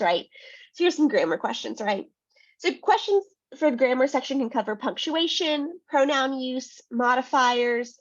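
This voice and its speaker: A woman's voice: on the high side, husky, dry recording. A woman with a cold, a test prep tutor giving a chatty webinar presentation, full of "um" and "right?". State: sniffly from a cold. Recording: dull lo-fi webinar audio.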